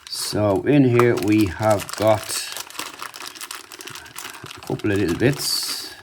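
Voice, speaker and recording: Male product reviewer, lowish pitch, informal unscripted unboxing commentary, noisy recording. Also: expressive, takes it slowly. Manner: informal, off-the-cuff demonstrating.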